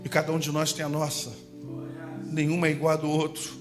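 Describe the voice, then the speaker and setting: Brief: Rio-male preacher, high voice, animated and joking, shouts for effect, music bed behind. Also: a little fast. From Brazil. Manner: animated, humorous storytelling with shouted asides and impressions. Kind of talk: sermon.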